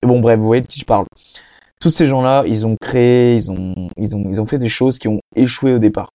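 Mellow slangy young French man rambling. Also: medium pitch, steady tone, brisk, no echo. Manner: rambling, frequent restarts and fillers, slangy. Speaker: podcast host. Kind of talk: casual self-help monologue.

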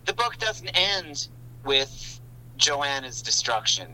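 A man's voice: on the high side, sing-song, slow pace, pushed and bright, slight background noise, rough recording. A man, a podcast guest, walking through a book's plot in detail during a casual film discussion. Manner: detailed, explanatory storytelling.

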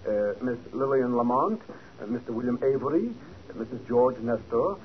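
An actor playing a hesitant, fussy store clerk in a 1940s radio drama. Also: male voice, mid-range voice, animated, fairly quick, natural voice. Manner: hesitant, full of uhs. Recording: dull old radio broadcast with hiss.

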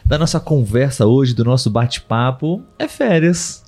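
A man with a Brazilian accent and a soft, mellow tone hosts a casual live show for learners. He talks in a didactic way, often rephrasing a word with a synonym or two as he goes. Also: medium pitch, expressive, unhurried, faint music behind. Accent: Brazilian Portuguese. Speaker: podcast host. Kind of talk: casual live podcast chat for language learners.

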